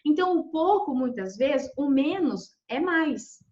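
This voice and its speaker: A high-voiced woman hosts a casual live discussion for teachers, reading out viewer comments and answering in a reassuring way with lots of tag questions. Her audio sounds a little muffled and lo-fi. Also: animated, unhurried, darkish tone, reverberant. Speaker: live session moderator.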